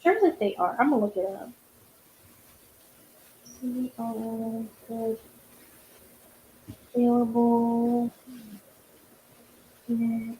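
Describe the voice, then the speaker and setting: A woman's voice: a little high, fairly even intonation, very slow, long pauses, warm tone, a little hiss or hum. A woman hosting a casual chat about books, rambling with many fillers and restarts. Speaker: host. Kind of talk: casual video-call chat. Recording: roomy echo.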